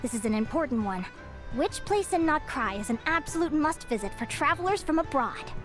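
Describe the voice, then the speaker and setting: A woman playing an eager young guild advisor, curious and upbeat, who lectures brightly and gushes with enthusiasm. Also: sits high, expressive, brisk. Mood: cheerful lecturing. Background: game music.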